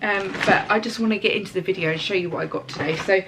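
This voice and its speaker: A woman with a stuffy, congested voice talks in a bubbly, gushing way. Her pitch sits in the middle, and she fills the talk with chatty asides. A faint hiss lies behind her as she sits on her bedroom floor. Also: fast. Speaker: home and lifestyle vlogger. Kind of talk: casual chatty haul video.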